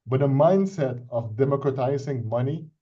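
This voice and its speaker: A man's voice: mid-range voice, normal speed, mellow, slightly rough. Middle-aged man with a Dutch accent, muffled call audio. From Suriname. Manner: earnest, explanatory, with frequent restarts and "right?" checks. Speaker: IT consultant presenting a crypto project. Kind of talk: casual self-introduction and explanation on a video call. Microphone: video call. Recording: dull lo-fi video call audio.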